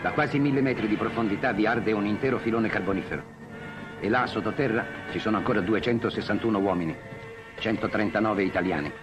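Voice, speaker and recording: A man's voice: on the low side, quick pace. A man narrating an old 1950s newsreel in a solemn, dramatic declaiming voice over music. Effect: old newsreel soundtrack.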